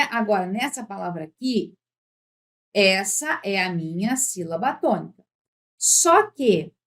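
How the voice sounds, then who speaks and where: A woman's voice: fairly high pitch, fairly bright tone. A woman teaching a Portuguese grammar lesson for exam prep, patiently drawing out example words and checking in often. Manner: patient, drawn-out words when giving examples.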